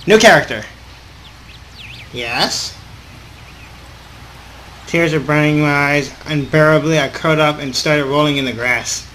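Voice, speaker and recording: A man hosting a gaming video, reading a visual novel aloud in an informal, halting way with casual off-script asides. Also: a little high, a bit bright. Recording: clearly audible background noise.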